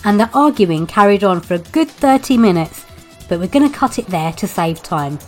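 Actress as cheeky storyteller, mid-pitched, wry, light music underneath. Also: female voice, animated, normal speed, natural voice. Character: wry, cheeky pantomime narrator. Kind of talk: scripted comic narration.

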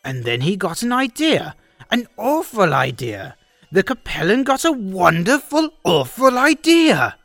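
A woman narrating a rhyming holiday story in an unhurried, sing-song voice whose pitch rises and falls dramatically. The sound is close and dry, with faint music playing behind her. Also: very animated, no echo. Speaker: host and narrator.

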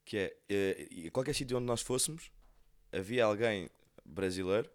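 A man's voice: fairly low pitch, normal speed. A man with a European Portuguese accent hosting a podcast, chatting in an easygoing, joking way and reading out listener questions. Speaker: podcast host. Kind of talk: casual conversation.

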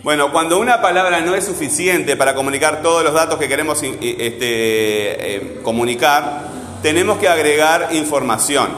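A man's voice: on the high side, moderate pace, fairly bright tone. A male teacher who teaches a class and keeps repeating his questions to prompt his students. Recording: echoey hall, faint background noise.

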